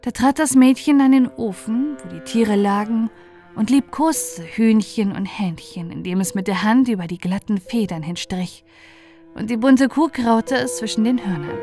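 A woman's voice: on the high side, normal speed, dark tone. A woman reading a scripted bedtime fairy tale as an audiobook narrator. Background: faint music.

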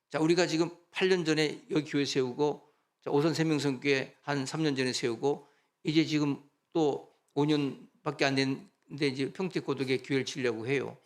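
A man preaching a sermon as pastor, animated and conversational, asking his congregation rhetorical questions. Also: medium pitch. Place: church sanctuary.

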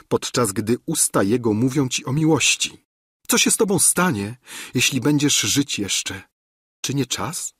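A man reading aloud the impassioned, pleading lines of a despairing young woman in love, in a husky voice. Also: mid-range voice, no echo, clean studio sound. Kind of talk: audiobook reading of a classic novel.

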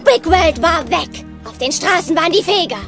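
An actress playing an excitable, motherly robot aunt in a children's audio play, fussing and dramatic. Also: very high-pitched, normal speed. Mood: agitated, dramatic. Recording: music behind the voice.

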